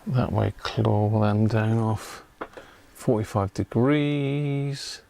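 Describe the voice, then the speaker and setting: A man's voice: lowish voice, extremely slow, creaky, mellow, a little hiss or hum. A man giving casual live commentary as he does electronics repair, chatting and half muttering to himself while he works.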